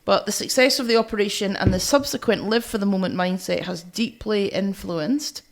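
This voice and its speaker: A woman's voice: mid-range voice, normal speed, noisy background. Woman podcast co-host, blunt and teasing. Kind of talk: music review chat.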